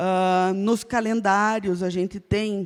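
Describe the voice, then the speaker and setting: Intonation stays monotone and flat as a woman speaks. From Brazil, Ukrainian-speaking family. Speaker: professor. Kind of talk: panel talk. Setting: stage with audience.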